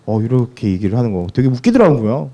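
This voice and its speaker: A man's voice: mid-range voice, very animated, fast talker, warm tone, muffled recording. A man in his thirties preaching a sermon, telling a family story and asking the congregation questions. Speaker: pastor.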